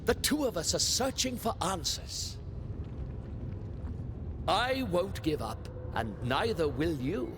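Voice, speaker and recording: A man's voice: high voice, lively intonation, slow, long pauses, background noise. A man playing a friendly, undaunted seeker in a video game, with a philosophical turn and a lilting delivery. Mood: hopeful. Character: friendly, hopeful male seeker, eager and undaunted. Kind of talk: video game cutscene acting.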